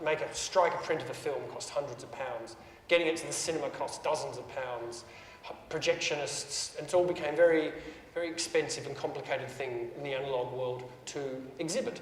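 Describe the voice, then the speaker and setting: A man's fairly high voice in an Australian accent, fairly quick, with ordinary pitch variation, big swings in loudness, audible room echo and noticeable background noise. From South Australia. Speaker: film industry speaker. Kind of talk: lecture.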